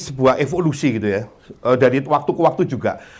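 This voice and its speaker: In a Surabaya accent, a man talks in an animated tone. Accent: East Javanese Indonesian (Surabaya). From Indonesia, Surabaya (East Java). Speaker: motivational speaker. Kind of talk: motivational talk.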